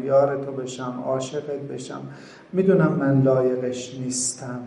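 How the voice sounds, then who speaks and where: A man's voice: medium pitch, dark tone. A man in his forties leading a devotional supplication sermon, pleading fervently and reciting Arabic prayers. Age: 40s. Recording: echoey room, faint background noise.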